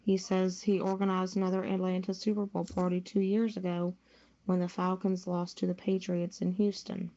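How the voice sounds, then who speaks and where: A woman's voice: on the low side, little pitch movement, normal speed, dark tone. A woman presenting sports news on a podcast, reading from a script. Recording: dull lo-fi audio.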